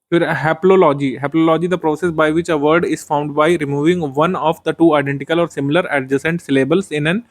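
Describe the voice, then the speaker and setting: A male teacher with a slightly high-pitched voice runs an exam-prep vocabulary class. He reads definitions slowly. He then explains them in Hindi, with frequent "uh" fillers.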